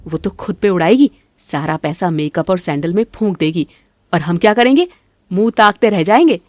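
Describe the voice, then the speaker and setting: A woman voicing a greedy, scheming middle-aged mother-in-law in an animated family cartoon, bossy and grumbling. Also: lowish voice, normal speed, dry recording, clean studio sound, close to an everyday voice. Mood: scolding.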